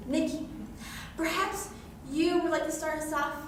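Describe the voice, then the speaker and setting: A woman's voice: high-pitched, level tone, unhurried, background noise. A woman performing a prying, patronizing character who keeps asking an adoptee where she is really from, recorded on stage. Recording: echoey distant stage recording.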